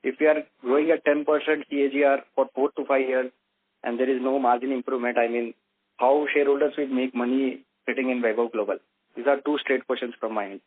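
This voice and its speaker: Pressing investor on a phone line. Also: male voice, mid-range voice, fairly even intonation, fast. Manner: pressing, direct questioning. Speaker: investor asking questions on a call. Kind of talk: earnings call questions.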